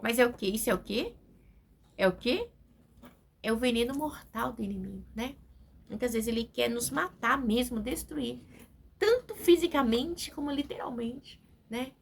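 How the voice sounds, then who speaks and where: A middle-aged woman preaches a testimony sermon. Her voice sits somewhat high, and she keeps checking in with the congregation through little tag questions. A faint background noise runs under her voice. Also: expressive, vocal fry. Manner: earnest, fills pauses with frequent tag questions.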